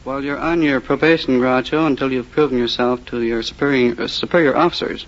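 A man's voice: medium pitch, steady tone, a little fast, slight background noise. A man in his twenties from Minnesota, a policeman on a quiz show, answering politely and bashfully with short replies. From Duluth, Minnesota, USA. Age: 20s. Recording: dull lo-fi 1950s radio recording.

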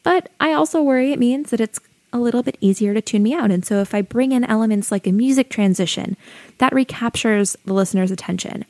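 A young adult woman with a soothing voice, hosting her own podcast and calmly giving friendly advice like a teacher. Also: on the high side, a little fast, dry recording. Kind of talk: solo educational podcast talk.

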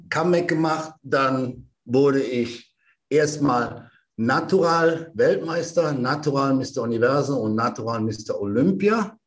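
A German man in his sixties, a veteran bodybuilder telling anecdotes as a podcast guest in a lively, animated way. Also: mid-range voice. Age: 60s. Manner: lively storyteller who acts out sounds and quotes. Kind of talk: casual anecdotal storytelling.

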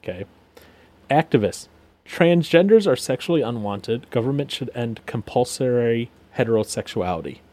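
A man's voice: medium pitch, expressive, moderate pace, warm tone. A man co-hosting a casual commentary chat, sarcastic, reading headlines and figures aloud with lots of fillers. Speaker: podcast co-host.

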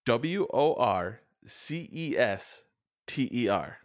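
A man's voice: mid-range voice, very animated, takes it slowly, no room sound, studio quality. A man from Massachusetts co-hosting a podcast, bantering and chuckling in casual chat. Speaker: podcast co-host.

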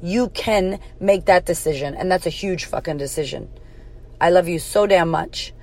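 A woman hosts a podcast in a casual, punchy monologue, her voice husky and a little hoarse. She sits slightly low in pitch and swears freely as she urges listeners to know their worth. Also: moderate pace, darkish tone. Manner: blunt, swears freely, motivational. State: hoarse from karaoke. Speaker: podcast host, confidence coach. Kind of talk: casual pep-talk monologue.

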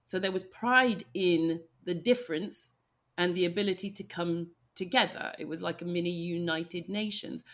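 A woman's voice: lowish voice, moderate pace, a bit bright. A woman from Nigeria hosting an interview podcast, telling her story in a reflective, conversational way. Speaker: podcast host.

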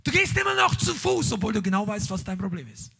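Male preacher, middle-aged, charismatic sermon style; lively sing-song delivery, husky tone. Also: high voice, fast. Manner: emphatic, mixes in English words, shouts interjections. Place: church hall with congregation, streamed online.

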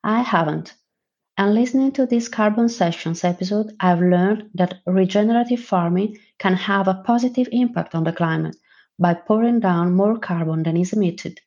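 A woman presenting a podcast episode, reading her introduction in a measured way. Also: medium pitch, a little mellow. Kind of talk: read introduction. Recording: slightly dull recording.

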